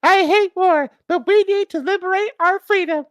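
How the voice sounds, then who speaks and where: Guy putting on an earnest old-timey lady, way up high, dry sound, silly story. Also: normal speed, a bit bright, dry recording. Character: Martha Washington, earnest colonial woman.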